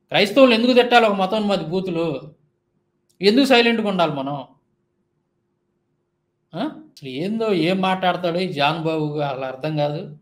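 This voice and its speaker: A man giving a heated monologue rebuttal, firing off indignant rhetorical questions. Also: high-pitched. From India. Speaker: Christian YouTube commentator.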